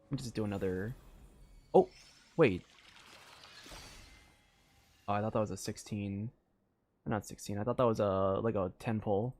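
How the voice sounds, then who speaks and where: A man's voice: on the low side, normal speed, pauses often, a little mellow. A man chatting casually on a gaming live stream, rambling and thinking aloud in a distracted way. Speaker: game streamer. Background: video game music.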